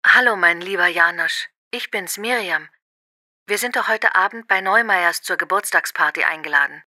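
Very bright sharp voice, actress as affectionate woman leaving her partner a voicemail, clear diction, dry sound. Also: fairly low pitch, normal speed, dry recording. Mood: affectionate, asking. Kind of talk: acted voicemail message for a listening exercise.

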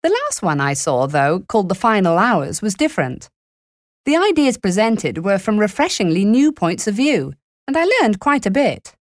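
A woman playing a thoughtful reviewer in a scripted monologue, giving her opinion in a measured way. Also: mid-range voice, big pitch swings, no echo, studio quality, natural voice. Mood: reflective. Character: thoughtful woman reviewing a documentary she watched. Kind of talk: scripted monologue for a listening exercise.

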